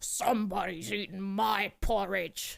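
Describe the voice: A put-on character voice, female-sounding, gruff and raspy at a middle pitch. It moves at a fairly slow pace.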